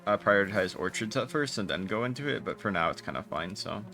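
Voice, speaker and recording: Low-voiced man fumbling through casual game commentary. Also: expressive, quick pace, pushed and bright. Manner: fumbling for words, trailing off and restarting mid-sentence. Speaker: video game streamer. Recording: music playing behind the voice. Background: game music.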